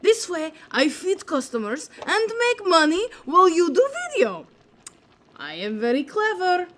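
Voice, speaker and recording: High-voiced, bossy foreign mother. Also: sing-song, measured pace, a bit bright, a little hiss or hum, full character voice. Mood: bossy, proud. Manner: blunt, clipped foreign-sounding phrasing without contractions. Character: bossy, self-satisfied immigrant mother and cook. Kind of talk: comedic audio drama acting.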